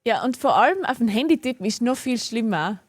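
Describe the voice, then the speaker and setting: A woman's voice: on the high side, lively intonation, brisk, no echo, clean studio sound. A young woman with a regional German dialect, chatting casually and giggling often while streaming a game from her home office. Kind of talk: casual live-stream chat while gaming.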